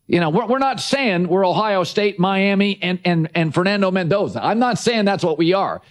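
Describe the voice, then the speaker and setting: A middle-aged man hosting a sports talk show, his voice sitting a little high for a man. He talks in brash, emphatic bursts of short punchy sentences. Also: lively intonation, normal speed. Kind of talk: opinionated sports radio talk.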